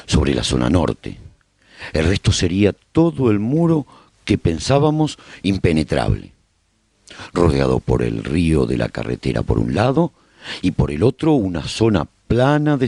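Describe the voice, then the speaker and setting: A man's voice: low-pitched, gravelly, a little mellow, breathy edge, no echo. A man with a Spanish accent narrating a radio serial in the first person, telling the story as a survivor speaking to listeners.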